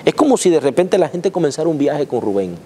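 Mellow interviewer guy, kinda halting, repeats words, lapel mic. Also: fairly high pitch, sing-song, a little hiss or hum. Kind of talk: interview questions. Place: dim church sanctuary.

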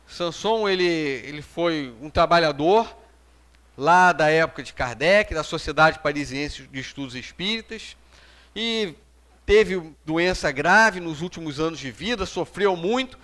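A man's voice: a little high, a bit bright. A middle-aged Brazilian man giving a conversational spiritist lecture, standing and gesturing, often tagging lines with "né?", in a small hall picked up by a room mic. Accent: Brazilian Portuguese. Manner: standing and gesturing while speaking. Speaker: speaker giving a public talk.

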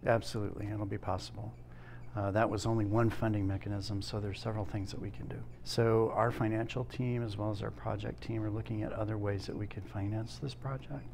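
Man, 50s, gravelly low voice, assured interview answer. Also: flat delivery, fairly quick, a little mellow, slight background noise. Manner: confident, reassuring. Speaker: library director. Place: indoors among bookshelves.

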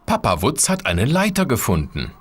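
Very deep-voiced woman narrating. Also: moderate pace, noisy background. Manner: even, plain storytelling. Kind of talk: scripted storybook narration.

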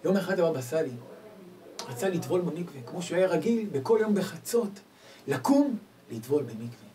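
A man delivering a storytelling sermon as a rabbi, swinging from loud exclamations to hushed asides. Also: fairly high pitch, sing-song. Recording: distant mic, faint background noise.

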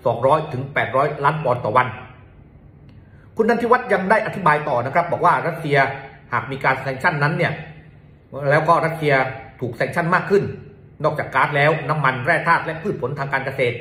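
A man's voice: fairly high pitch, animated, fairly quick, pushed and bright. A man presenting a news commentary to viewers, reading it out politely and adding courteous particles as he goes. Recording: roomy echo.

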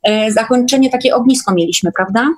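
Higher-pitched chatty woman. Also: quick pace. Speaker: guest. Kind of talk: casual storytelling in an online meeting.

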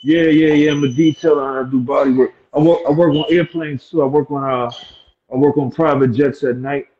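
A man's voice: on the high side, fairly even intonation, brisk. A man joining a livestream by phone video call, chatting in a laid-back way and ending nearly every line with "man". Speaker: livestream guest caller. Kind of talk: casual chat. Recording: dull lo-fi phone audio with faint noise.

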